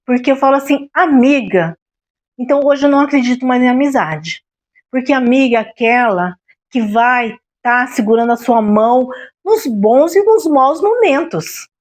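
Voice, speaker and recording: A middle-aged woman with a Brazilian accent speaks in a high voice. She tells a personal story on her vlog, confiding and often turning to her listeners to make sure they are following. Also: expressive, normal speed. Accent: Brazilian Portuguese. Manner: confiding, repeatedly checks in with the listener. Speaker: vlogger.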